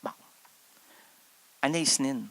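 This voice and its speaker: A man's voice: medium pitch, extremely slow, bright, forceful tone, reverberant, long reverb tail. A man with a Québécois accent improvising a comic stage monologue, rambling, interrupting himself and teasing the audience. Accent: Québécois French. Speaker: improv performer and host.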